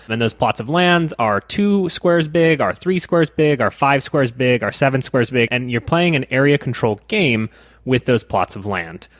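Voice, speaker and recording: A man's voice: mid-range voice, fairly bright tone, no echo. A man co-hosting a casual board game podcast, walking through rules step by step with some dry teasing. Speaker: podcast co-host.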